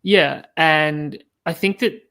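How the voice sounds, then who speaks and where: A guest on a live stream speaking in a measured, tentative way, hedging before making points. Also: medium pitch, fairly bright tone. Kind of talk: conversational discussion.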